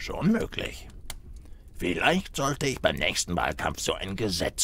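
Light background noise sits behind a man doing a put-on character voice. He keeps a moderate pace. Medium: audio drama. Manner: gruff, dry, formal.

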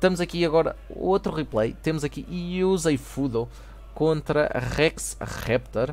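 A man with a European Portuguese accent speaks at a very slow pace. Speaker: gaming YouTuber and tournament host. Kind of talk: esports commentary, narrating replays of card-game duels. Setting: recorded voiceover over gameplay. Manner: casual, conversational, hesitant with filler words; upbeat, enthusiastic, play-by-play narration of each move.

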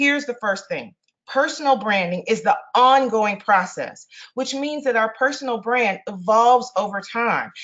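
Against a quiet background, a woman with a fairly high pitch speaks at a moderate pace in an enthusiastic, energetic tone with ordinary pitch variation. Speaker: career development speaker at webinar. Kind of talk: motivational, conversational. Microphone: webcam.

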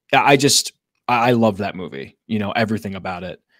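The sound is dry with no echo, over a quiet background. A man talks at a moderate pace with a fairly low pitch. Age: 20s. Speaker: YouTuber making comic analysis videos. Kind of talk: casual interview chat. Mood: reflective, warm. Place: home room.

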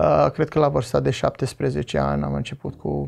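Against a quiet background, a man is speaking. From US, Chicago. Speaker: addiction ministry worker; podcast guest. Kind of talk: testimony. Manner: halting. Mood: reflective, earnest testimony. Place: studio. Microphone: lapel.

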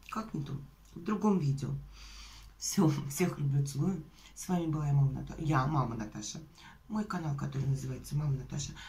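This woman has a very deep, low pitch with ordinary pitch variation. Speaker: mukbang vlogger. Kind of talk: casual vlog chat. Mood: chatty, joking. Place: kitchen. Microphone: phone near.

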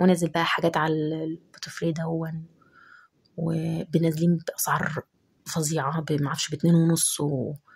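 Against a quiet background, a woman with an Egyptian accent speaks in an animated tone at a fairly low pitch, sounding somewhat breathy. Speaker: shopping vlogger. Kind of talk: casual vlog chat. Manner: animated, chatty. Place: shop. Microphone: phone near.

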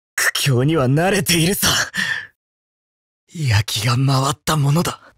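In a put-on character voice, a man talks fairly slowly with a raspy, fairly high pitch, very even loudness, and a dry, close sound with no echo. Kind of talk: video game character voice lines. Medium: dub. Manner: calm, composed.

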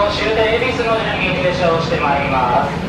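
Loud background noise and audible room echo accompany a man's voice. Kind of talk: public announcement. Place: station.

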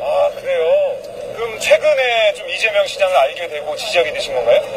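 A man at a moderate pace, with big swings in loudness and noticeable background noise. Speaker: reporter. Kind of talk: street interview questions.

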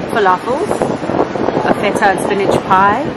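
Loud background noise runs throughout. The speech moves at a fairly slow pace. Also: woman. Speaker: vlogger filming the food. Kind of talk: casual vlog chat. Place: cafe. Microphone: phone near.

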